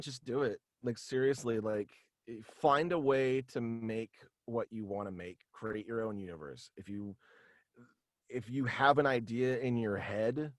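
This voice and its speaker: Casting: young adult male, mid pitch, dry close sound, halting casual podcast guest who rambles. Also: fairly bright tone, dry recording. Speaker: guest, voice actor and podcast creator. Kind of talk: casual interview chat. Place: small room at home, video call.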